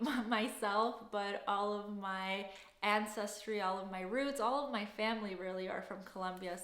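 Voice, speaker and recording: A woman's voice: medium pitch, a bit bright, roomy sound. A young woman, hosting a casual Q&A vlog in an upbeat, effusive way. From Canada. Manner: upbeat, effusive, gushing thanks. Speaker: vlogger and job-search coach.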